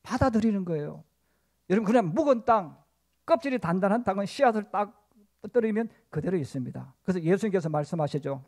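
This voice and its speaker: A man with a notably high voice delivers a Sunday sermon. He preaches with fervor, addressing the congregation directly and acting out confessions and stern rebukes. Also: expressive, fast talker, darkish tone. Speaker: pastor.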